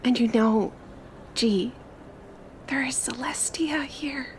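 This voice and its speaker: Woman playing an eager, high-voiced young traveler. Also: takes it slowly, slight background noise, poor audio. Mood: eager, insistent. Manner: gushing, informal, stop-start excitable chatter. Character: eager, chatty, wide-eyed young woman traveler, affectionate. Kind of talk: tabletop roleplay acting.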